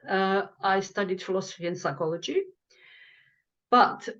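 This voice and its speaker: An older woman who grew up in Lithuania explains her work in an earnest, conversational way, with a dry aside now and then. Her voice sits at a middle pitch. The recording sounds dull and lo-fi, like call audio. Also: normal speed, fairly bright tone. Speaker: author and guest.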